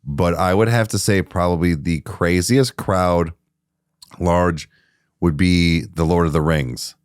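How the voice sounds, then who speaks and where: Animated swearing podcast host, dry sound. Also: male voice, sits low, takes it slowly, no echo. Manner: animated storytelling with crude swearing. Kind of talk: casual chat.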